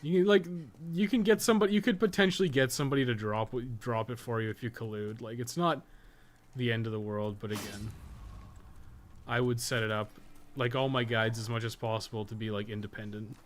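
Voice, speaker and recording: A man's voice: medium pitch, fairly quick, a little hiss or hum. A man giving casual, candid live gameplay commentary in an informal, conversational way, as a streamer chatting with viewers. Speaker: game streamer and guide maker.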